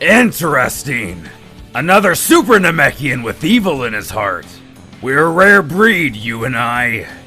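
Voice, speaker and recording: Doing a put-on character voice, a man speaks at a moderate pace and a fairly high pitch with very wide pitch swings while clear music plays in the background. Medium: dub.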